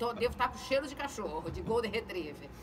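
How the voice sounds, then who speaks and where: There is noticeable background noise as a woman talks with a Brazilian accent. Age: 50s. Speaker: psychoanalyst and radio commentator. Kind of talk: casual chat. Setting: studio. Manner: animated. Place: studio. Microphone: studio mic.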